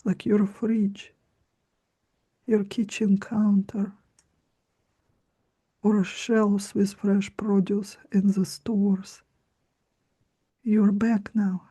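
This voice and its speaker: A woman's voice: mid-range voice, level tone, extremely slow, pauses often, warm tone, slightly rough. A woman leading a guided trance in a mesmerizing, hypnotic manner, soothing and often close to a whisper. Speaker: guided trance practitioner and teacher.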